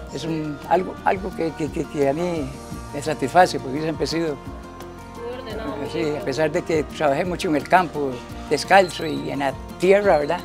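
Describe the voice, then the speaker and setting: Clear music plays in the background as a man speaks at a fairly high pitch with ordinary pitch variation. His pace is moderate, broken by long, frequent pauses. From Cartago, Costa Rica. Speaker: retired mechanic, nursing home resident. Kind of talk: interview answer. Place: garden. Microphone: lapel.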